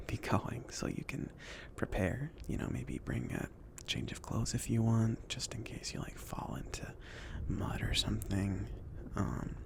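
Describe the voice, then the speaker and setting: Here a man whispers his way through a cozy fantasy ASMR scene as a laid-back, thoughtful mage dispatching an apprentice on errands. Whenever he surfaces into low speech, a crackly fry comes through. His casual, somewhat hesitant delivery stays gentle and reassuring throughout.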